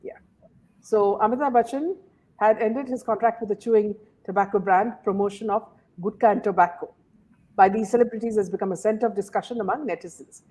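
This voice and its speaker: A woman's voice: medium pitch, brisk, a little mellow, husky, rough recording. A woman hosting a casual commentary talk, filling her sentences with "uh" and "you know". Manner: many fillers and "you know"s. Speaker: host.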